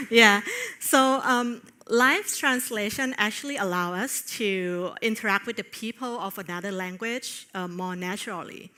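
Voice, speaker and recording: Female conference presenter, bright forward tone, earnest and hesitant with fillers. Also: mid-range voice, animated. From Thailand. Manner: earnest, with frequent filler pauses. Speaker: conference speaker. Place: on stage at a tech conference.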